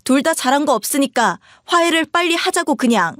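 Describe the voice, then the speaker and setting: A woman's voice: sits high, animated, brisk, a bit bright, dry recording, studio quality, voice pushed up. A woman voicing a rude, arrogant husband who talks in curt, dismissive orders.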